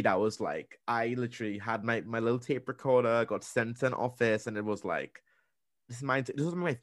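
Host, man, 30s, Trinidadian accent, quick rambling storyteller, dry close sound. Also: medium pitch, no room sound. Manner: fast, rambling, with many restarts. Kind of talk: casual storytelling chat.

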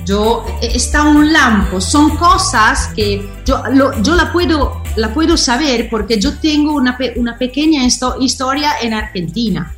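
A woman's voice: a little high, lively intonation, unhurried, hardly any pauses, fairly bright tone. A woman guest in a casual interview, talking hesitantly and searching for her words. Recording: echoey room, faint music.

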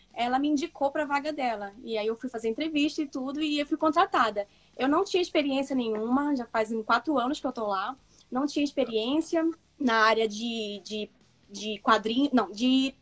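A young woman from Manaus with a northern Brazilian accent, a comics editor chatting in an interview, laughing often and restarting her sentences. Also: high voice. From Manaus, Amazonas, northern Brazil. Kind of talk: casual interview chat.

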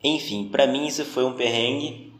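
A man's voice: medium pitch, normal speed, fairly bright tone. A man from Brazil with an interior São Paulo accent, casually telling a personal story as a listener's voice message. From Ribeirão Preto, Brazil. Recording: roomy, faintly noisy voice message.

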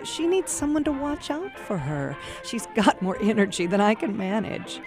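A woman playing a kindly but stern elderly grandmother, gently firm and compassionate, in an audio drama. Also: medium pitch, big pitch swings, moderate pace, over music. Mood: tender. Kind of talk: cinematic audio drama roleplay.

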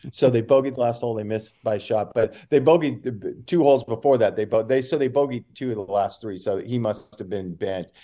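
A man's voice: mid-range voice, fairly quick, hardly any pauses. A man, a podcast co-host and tour caddy, telling profane stories in casual banter. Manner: profane, storytelling, animated impressions.

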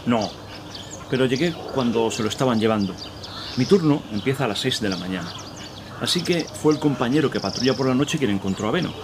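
A man's voice: medium pitch, animated, a little fast, background noise, lightly acted. An actor playing an obliging city policeman on patrol in a snowy park in a radio drama. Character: chilly, helpful male city policeman on patrol.

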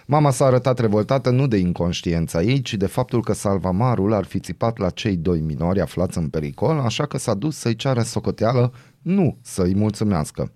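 A man's voice: on the low side, animated, warm tone, no echo. Dry-voiced radio host man. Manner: dry, mocking. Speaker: radio morning show host. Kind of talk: casual radio banter. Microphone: studio microphone.

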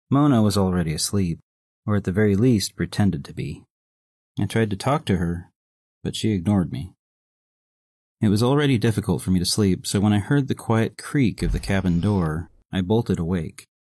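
A man's voice: lowish voice, a little mellow, dry recording. A man narrating a horror story in a somber, reflective tone. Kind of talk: scripted narration. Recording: narration over music.

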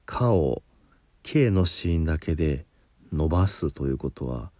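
A man's voice: a bass voice, lively intonation, unhurried, dark tone, no echo. A man teaching pronunciation in a patient spoken lesson, explaining step by step and demonstrating sounds.

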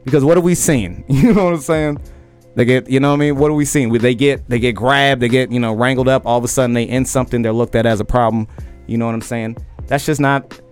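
Loud, emphatic young man talking. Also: medium pitch, steady tone, quick pace, smooth, faint music behind. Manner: loud-voiced and emphatic, keeps asking "you know what I mean". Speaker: podcast host. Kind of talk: casual conversation.

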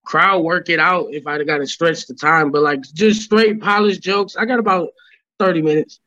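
A man, a stand-up comedian, chatting casually on a podcast in a relaxed, slangy way. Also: on the high side, normal speed, no echo. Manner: relaxed slangy storytelling, laughs often. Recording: slightly dull lo-fi sound.

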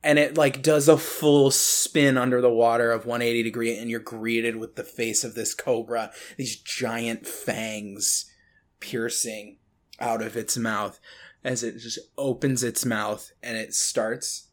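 Male game master, unhurried, deliberate scene-setter, middle voice. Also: mid-range voice, flat delivery. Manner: slow, deliberate scene-setting with drawn-out words. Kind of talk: narrating a tabletop horror game.

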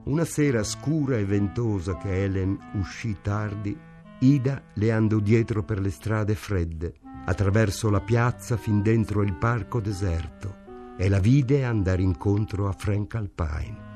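A man narrating a novel in a measured, unhurried storytelling voice. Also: fairly low pitch, over music. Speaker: reader. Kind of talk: audiobook narration.

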